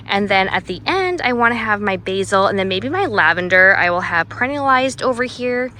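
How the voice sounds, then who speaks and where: A woman's voice: medium pitch, expressive, brisk, sharp tone, a little hiss or hum, rough recording. A woman chatting casually through a gardening vlog outdoors in her backyard, walking around and showing her plants, recorded on a phone, getting out of breath as she works. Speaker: gardening vlogger. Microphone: phone camera.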